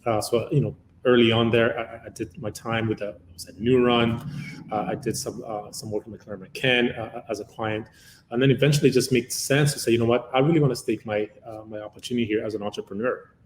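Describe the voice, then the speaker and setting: A man's voice: medium pitch, fairly even intonation, fairly quick, echoey room, a little hiss or hum, poor audio. A man in his fifties from Uganda, a company founder giving a long, rambling interview answer full of "uh" fillers. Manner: long-winded, many "uh" fillers.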